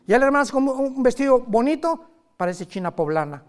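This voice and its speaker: A man preaching a sermon in a lively, conversational way, with sudden loud emphasis and quick asides. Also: extremely high pitch.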